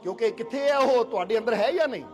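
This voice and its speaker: A man's voice: very high-pitched, expressive, fast, darkish tone. A man giving a devotional sermon, asking his listeners questions and acting out the voices he quotes. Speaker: spiritual teacher. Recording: sermon with clear music behind.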